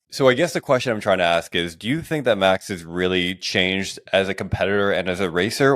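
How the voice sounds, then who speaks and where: A man with a deep, low-pitched voice hosts a sports podcast. He is conversational and reflective, working his way through long, considered questions. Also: a bit bright. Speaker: podcast host posing questions.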